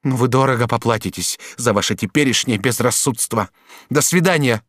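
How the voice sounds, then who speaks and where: A man's voice: on the high side, normal speed, no room sound, clean studio sound, voice pushed up, lightly acted. A man reading an audiobook, voicing an ardent, jealous duchess who pleads for a young man's love. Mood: cold anger. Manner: pleading, then threatening. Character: passionate jealous duchess, the king's favourite.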